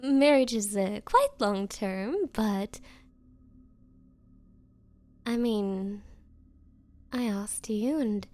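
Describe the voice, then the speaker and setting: A woman playing a nervous, obsessive young woman on a date in an anime-style ASMR roleplay, speaking haltingly and flustered. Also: on the high side, mellow. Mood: hurt, unsettled. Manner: halting, flustered, breathy hesitations. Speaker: roleplay voice performer.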